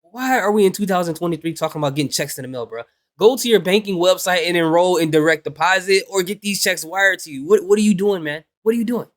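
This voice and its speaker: A man hosting a reaction video, chatting casually and laughing as he jokes along. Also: sits high. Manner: laughs a lot, quick joking asides.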